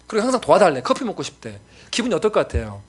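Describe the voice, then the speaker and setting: Animated Korean missionary preaching a sermon. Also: male voice, high-pitched, racing, breathy edge. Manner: animated storytelling, acts out voices.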